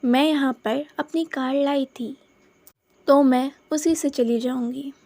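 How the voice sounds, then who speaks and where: Sassy young woman read by a female narrator, sarcastic, high voice. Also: steady tone, slow pace, darkish tone.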